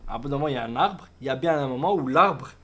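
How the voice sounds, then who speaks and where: A man's voice: medium pitch, lively intonation, fast, bright, forceful tone. A man bantering casually on a livestream, needling others with repeated questions. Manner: teasing, needling, repetitive questioning. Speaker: livestream co-host.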